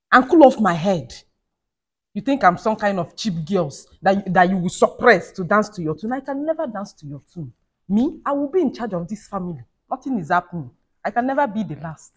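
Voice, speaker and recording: A woman's voice: medium pitch, big pitch swings, brisk, breathy edge. A woman playing a fiery young wife who rants and scolds, repeating herself. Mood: sulking. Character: fiery young wife feuding with her mother-in-law. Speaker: skit actor. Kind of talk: comedy skit acting.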